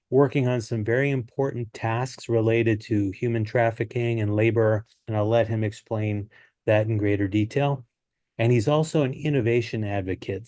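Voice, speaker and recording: A man's voice: mid-range voice, mellow, dry recording, clean studio sound. A middle-aged man hosting an online talk, introducing sponsors and a guest in a conversational way with fillers. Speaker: host. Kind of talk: webinar host introduction.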